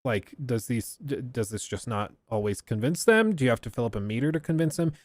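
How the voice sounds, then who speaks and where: A man's voice: mid-range voice, animated, a little fast, dry recording. A man giving casual, enthusiastic live reaction commentary on a stream, chatty and loose with fillers. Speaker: streamer reacting to a game showcase.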